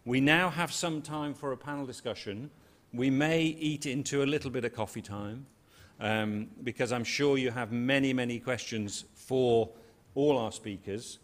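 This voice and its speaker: A man's voice: mid-range voice, normal speed. A man moderating a conference panel in a chatty, informal way. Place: conference hall.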